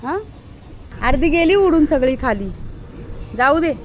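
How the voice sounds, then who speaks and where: A high-pitched woman filming a casual home vlog out on a rooftop terrace. She chats freely to her viewers and switches into a sing-song, coaxing tone for her pets. Faint hiss sits behind her voice. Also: expressive, unhurried, poor audio. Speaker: vlogger.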